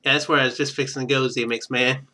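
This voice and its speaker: A man doing casual game stream commentary, thinking out loud and reading text from the screen. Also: medium pitch, level tone, fast. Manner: thinks out loud, muttering to himself.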